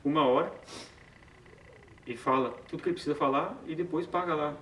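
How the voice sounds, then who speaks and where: A man's voice: on the high side, brisk, fairly bright tone. Male Bible study leader, chatty teaching tone, distant mic in a roomy space. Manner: conversational, frequent tag questions, self-corrections. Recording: far from the mic in an echoey room with faint background noise.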